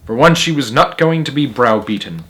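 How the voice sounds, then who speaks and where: A man's voice: mid-range voice, expressive, moderate pace, fairly bright tone. A man narrating a children's storybook aloud in an informal read-aloud style.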